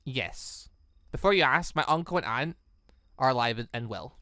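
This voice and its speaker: A man voicing a subdued, apologetic young female hunter from a visual novel in a quiet, halting delivery. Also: medium pitch, expressive, no room sound, studio quality, pitched below the performer's own voice.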